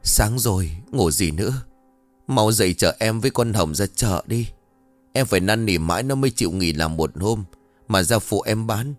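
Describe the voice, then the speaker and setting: A man's voice: fairly low pitch, lively intonation, moderate pace, no room sound, soft background music, lightly acted. A man reading the lines of a grieving middle-aged mother who has lost touch with reality, in a sing-song, doting way, in a spoken ghost story. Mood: eerily cheerful. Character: grieving middle-aged woman, eerily cheerful, unhinged.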